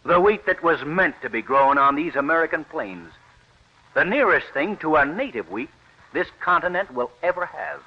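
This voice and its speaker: A man's voice: fairly high pitch, lively intonation, normal speed. An actor playing an earnest, persuasive wheat farmer pleading his case in an old radio drama. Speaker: plant explorer pitching new wheat. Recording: dull lo-fi old radio recording.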